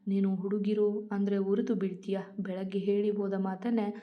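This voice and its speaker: Woman reading old grandmother, frail, soft, gentle, storybook, dull lo-fi recording. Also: medium pitch, flat delivery, normal speed, natural voice. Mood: tender. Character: frail loving old grandmother in a hospital bed.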